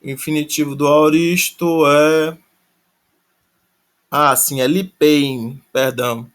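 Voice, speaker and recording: A man's voice: fairly high pitch, steady tone, slow pace, fairly bright tone. A man teaching a grammar lesson in a casual, thinking-aloud way. He restarts often and spells out verb endings syllable by syllable. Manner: thinks aloud, many restarts and tag questions. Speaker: Greek teacher.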